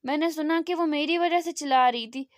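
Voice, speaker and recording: A woman reading out the lines of a frightened, unwell young man who answers quietly and briefly. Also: high voice, fairly quick, dry recording, studio quality, lightly acted. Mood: upset.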